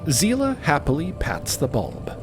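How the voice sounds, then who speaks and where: A man narrates scripted audio drama with hugely varied intonation. He takes his time with each phrase, and music sits behind the expressive storytelling. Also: on the high side, measured pace. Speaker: narrator and voice actor.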